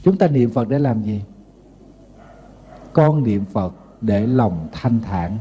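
Speaking slowly in a low-leaning voice, a middle-aged Buddhist monk with a Southern Vietnamese accent delivers a sermon full of humorous, lively anecdotes. A little hiss or hum sits under the recording.

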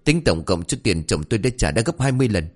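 A man voicing a desperate, furious young widow who cries out high and shrill. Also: sing-song, fast talker. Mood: accusing.

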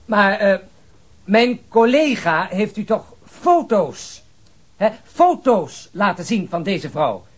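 An actor playing a polite, matter-of-fact police detective who questions courteously in a radio drama. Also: male voice, sits high, sing-song, slow, breathy edge, full character voice. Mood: polite, probing.

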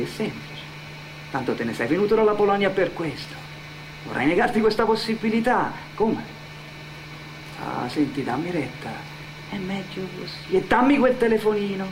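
An actor playing a falsely paternal, menacing restaurant boss in a radio play, coaxing in colloquial speech with a southern Italian accent. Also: male voice, sits high, big pitch swings, moderate pace, background noise, voice pushed up. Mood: coaxing menace. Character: wheedling, menacing male restaurant boss exploiting a worker. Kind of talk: theatrical monologue in a radio play.

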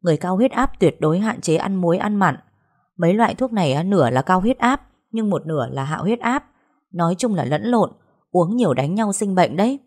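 A sharp-tongued old woman behind a pharmacy counter, as a woman storyteller puts her on, low-voiced and coarse, berating and lecturing without pause. Her lines land hard, her tone full of reproach. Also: lively intonation. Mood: scolding. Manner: harsh, scolding, coarse. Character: blunt scolding elderly woman pharmacist.

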